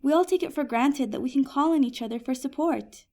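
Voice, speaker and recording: A woman as a high-voiced, earnest djinnia. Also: a little fast, a little mellow. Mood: earnest pleading. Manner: earnest, polite, persuasive. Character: Peri, kind, earnest young djinnia of smokeless fire. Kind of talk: fantasy comedy audio drama acting.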